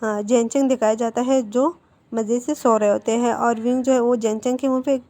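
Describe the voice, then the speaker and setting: A woman's voice: a little high, steady tone, normal speed, warm tone. A woman casually retelling a fan-fiction story in a chatty way, with many fillers.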